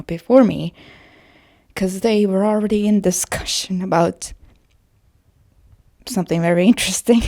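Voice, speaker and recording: A woman talking in a casual personal vlog style, with a creaky voice and a hesitant, self-conscious, rambling manner. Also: mid-range voice, warm tone. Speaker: voice actor vlogger.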